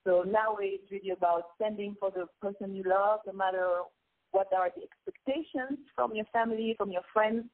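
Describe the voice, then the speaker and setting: Speaking at a normal speed with a mid-range, fairly level voice, the guest is a singer from Congo whose native language is Lingala. In this casual interview chat she's reflective and sincere, with some hesitant restarts, and the audio comes through a tinny phone line.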